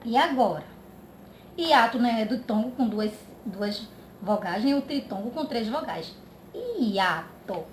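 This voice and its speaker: Slow, patient woman teacher. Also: fairly high pitch, animated. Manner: slow, drawn-out, checks in with "tá?". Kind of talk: children's grammar lesson. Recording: echoey room with faint background noise.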